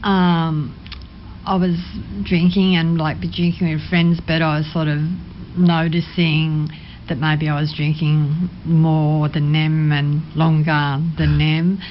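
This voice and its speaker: A woman from Sydney, telling her story as a studio guest, hesitant and soft-spoken with many pauses. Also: sits low, flat delivery, highs cut off, a little hiss or hum. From Sydney, Australia. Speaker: interview guest. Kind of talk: personal testimony. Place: radio studio.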